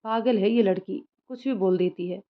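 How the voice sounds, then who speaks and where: A woman's voice: medium pitch, moderate pace, close to an everyday voice. A woman voicing a shy, affectionate middle-aged mother in a storybook, in a bashful, mock-scolding manner. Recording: slightly muffled lo-fi recording.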